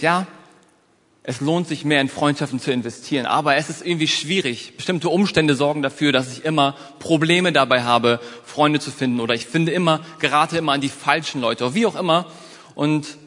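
A man giving a motivational talk, telling a personal story in a lively way and speaking straight to his listeners. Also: a little high, big-room sound.

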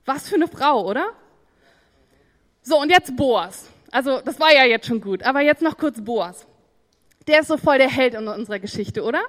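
Young woman preaching, chatty and lively, talks right to the crowd, kinda high voice, big echoey hall. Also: moderate pace. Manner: lively, conversational, talks to the audience. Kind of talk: sermon. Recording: long hall reverb.

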